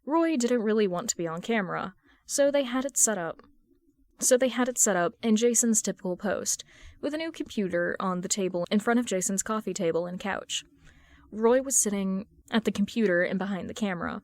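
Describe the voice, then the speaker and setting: A woman's voice: mid-range voice, brisk, dry recording. A woman reading fan fiction aloud as a narrator. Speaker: podfic narrator.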